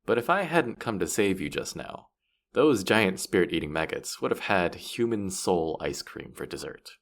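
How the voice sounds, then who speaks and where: Fantasy audio roleplay: male actor as boastful, playful afterlife trickster spirit, low register, very animated intonation, teasing and theatrical. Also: normal speed, vocal fry, exaggerated voice. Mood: mocking amusement. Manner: teasing, theatrical, mock-sympathetic, swooping delivery.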